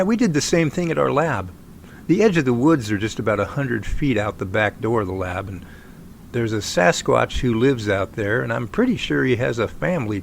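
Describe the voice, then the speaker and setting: A male actor as a friendly, keen field researcher in a radio drama. His medium-pitched voice has a lot of creak, and he chats eagerly over some background noise. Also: lightly acted. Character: eager, friendly Sasquatch researcher named Jerry. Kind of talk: amateur audio drama acting.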